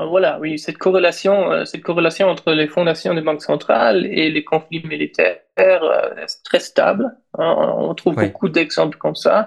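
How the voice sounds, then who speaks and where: A man with a German accent talks at a fairly slow pace. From Germany. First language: German (speaking French). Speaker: economist and university lecturer. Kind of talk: interview. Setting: online recording. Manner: halting, with many hesitations.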